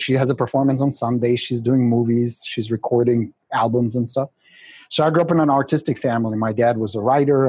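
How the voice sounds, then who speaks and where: Husky middle-aged guy w/ czech accent, upbeat guest chat, dry sound. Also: mid-range voice, no echo. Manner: energetic, laughs often, self-mocking jokes. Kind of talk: casual interview chat.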